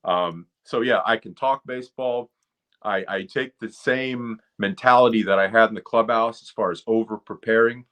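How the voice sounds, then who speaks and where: A man's voice: on the low side, normal speed, fairly bright tone, clean tone. A man in his forties, a former ballplayer turned broadcaster, chatting and telling self-deprecating stories as a guest on a podcast. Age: 40s. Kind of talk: casual storytelling interview.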